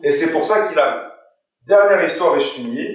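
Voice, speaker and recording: Animated and fairly high in pitch, a rabbi speaks at normal speed while retelling a story for his Torah class. He quotes the figures' dialogue and asks the listeners questions, his voice distant from the mic in a strongly echoing hall or study room.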